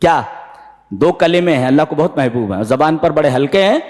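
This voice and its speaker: This is a man's sermon of Quranic commentary, recounted with theatrical energy. When voicing characters he jumps up into a high pitch, and he chants the Arabic verses at a slow pace. The hall adds noticeable reverb.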